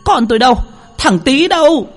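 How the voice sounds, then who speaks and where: A man voicing a frantic village wife who wails and shrieks in long, drawn-out cries. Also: extremely high pitch, animated, soft background music, voice pushed up. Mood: panicked wailing.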